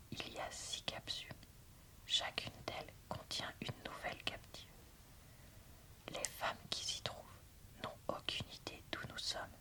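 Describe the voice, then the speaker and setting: A woman softly whispering as she reads a novel aloud in an unhurried, deliberate ASMR style. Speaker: booktuber reading a novel aloud and reviewing it. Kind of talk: ASMR whispered book reading.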